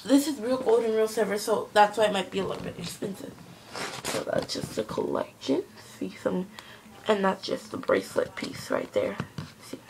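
A woman's voice: mid-range voice, a little fast. A young woman rambling casually with many fillers, showing jewelry in a home vlog from her bedroom. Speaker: vlogger. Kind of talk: casual show-and-tell vlog. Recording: home video with background noise.

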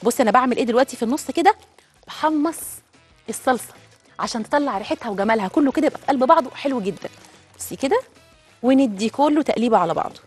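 Fast, husky Egyptian woman cooking host. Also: a little high, animated, faint music behind. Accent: Egyptian Arabic. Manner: chatty, addresses viewers directly. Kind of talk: cooking demonstration.

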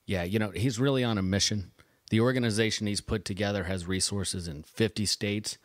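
Male host in his forties, low voice, dry studio sound, steady and conversational. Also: a little fast, dry recording. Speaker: show host. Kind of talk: podcast hosting.

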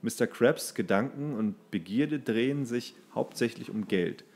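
A man's voice: medium pitch, lively intonation, unhurried, a little mellow, slightly rough. A man co-hosting a casual podcast, reading entries aloud and now and then stumbling over the words. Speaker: podcast co-host.

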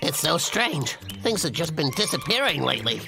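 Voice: medium pitch, big pitch swings, moderate pace, vocal fry, over loud music. An actor playing a blustering, secretive cartoon logger who talks in a theatrical drawl and gets flustered easily. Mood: puzzled. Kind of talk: exaggerated cartoon acting.

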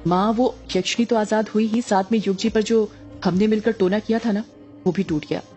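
Brief: an insistent young daughter, read by a woman, mellow voice, faint music underneath. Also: mid-range voice, steady tone, brisk, lightly acted. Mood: pleading. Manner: insistent, pleading.

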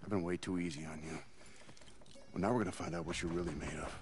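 Actor as low, hard-bitten sergeant, quick delivery. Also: male voice, steady tone, slight background noise, lightly acted. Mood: sardonic menace. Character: hard, sardonic American WWII sergeant. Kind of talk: video game cutscene drama.

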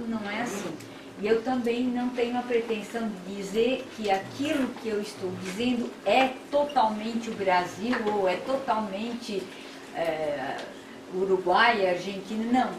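An older woman from Brazil with a Brazilian Portuguese accent, giving an academic lecture in a seminar room in slow, measured, reflective phrasing. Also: mid-range voice, far from the mic. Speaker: guest lecturer. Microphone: far room camera. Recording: echoey room from afar, background noise.

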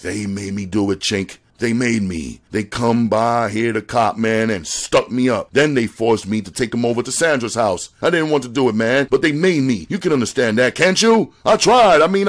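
A man reading an audiobook, voicing a panicky male street hustler who pleads and snitches in a rising, shrill voice. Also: lightly acted.

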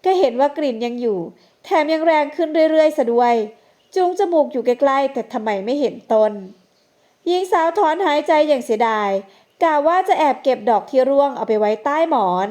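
High-voiced woman narrating a novel. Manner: measured, expressive storytelling. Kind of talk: scripted narration.

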